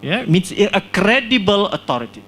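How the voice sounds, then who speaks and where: A man from Singapore talks about his book at a launch event in a small hall. His voice sits a little high, and he reasons aloud with many tag questions and restarts. A faint hum runs underneath. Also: big pitch swings, a little fast, a bit bright. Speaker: author presenting his book.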